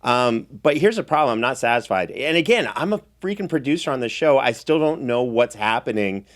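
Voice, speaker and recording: A man's voice: medium pitch, very animated, brisk. A man hosting a casual recap show, talking in a playful, mock-indignant way. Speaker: podcast host and show producer.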